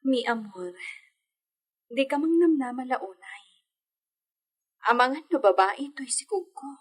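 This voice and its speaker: A woman playing a young pregnant lady of a villa, gentle and anxious, asking worried questions. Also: sits high, lively intonation, measured pace. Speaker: mistress of the villa. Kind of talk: amateur audio drama acting.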